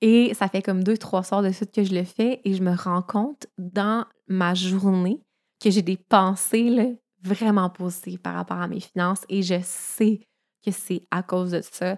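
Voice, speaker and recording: A woman in a Quebec accent, fairly slow, with fairly even intonation and a dry, close sound with no echo. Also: medium pitch for a woman. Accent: Québécois French. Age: 30s. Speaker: podcast host, yoga teacher. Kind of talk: solo podcast talk. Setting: home office.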